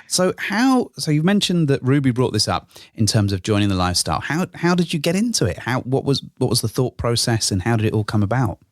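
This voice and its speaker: A man co-hosts a relaxed podcast, cracking jokes and drifting into asides. His pitch rises and falls in a lively way. The sound is dry, with no room echo. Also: a little fast, few pauses. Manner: jokey, rambling asides. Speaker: podcast co-host. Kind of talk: casual podcast chat.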